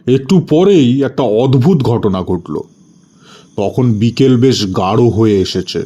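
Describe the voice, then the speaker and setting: A man's voice: mid-range voice, warm tone, dull audio. A man storyteller giving a dramatic first-person narration of a horror story. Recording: music bed under the voice.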